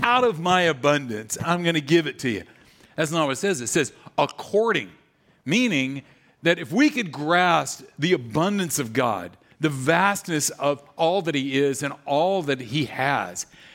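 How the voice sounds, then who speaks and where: Speaking in a Southern US accent, a man uses a fairly high pitch with very wide pitch swings. His tone is animated, though his pace is fairly slow. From Louisiana. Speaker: pastor. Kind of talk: sermon. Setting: church.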